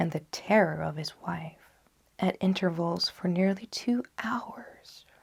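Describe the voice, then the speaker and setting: At a very slow pace, the somewhat breathy voice shows ordinary pitch variation. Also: woman. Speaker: storyteller. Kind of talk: gothic short story reading.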